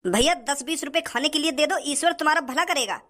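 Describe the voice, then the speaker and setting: Pleading male beggar, squeaky and whiny, as a man voices him. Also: expressive, fast talker, heavy background noise. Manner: whining, pleading.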